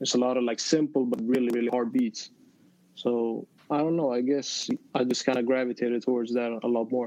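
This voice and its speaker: A man's dark, mellow voice at a medium pitch, monotone and flat, at a fairly quick pace with very even loudness. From Sweden. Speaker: beat producer. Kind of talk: casual interview chat.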